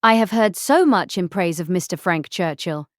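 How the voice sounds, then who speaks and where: An actress playing a vain, self-satisfied young married gentlewoman in a period audiobook drama, chatty, affected and pompous. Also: fairly low pitch, expressive, normal speed, no echo, studio quality, lightly acted. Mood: self-important. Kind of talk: full-cast audiobook period drama acting.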